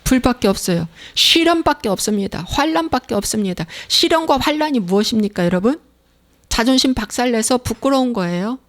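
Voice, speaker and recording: Here the same kind of sermon comes in a fairly high, lively voice moving briskly. The middle-aged woman pastor hammers her points, says phrases again and again, and dramatizes inner voices.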